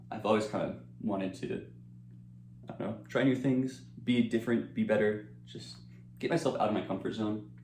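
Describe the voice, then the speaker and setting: A young man with a fairly low voice chats loosely while eating, full of fillers and restarts, sometimes talking through a mouthful. He sits in an echoey room at home, with a faint hum underneath. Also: darkish tone. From United States. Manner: rambling, with frequent fillers and restarts. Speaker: eating-channel creator. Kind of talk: casual chat while eating.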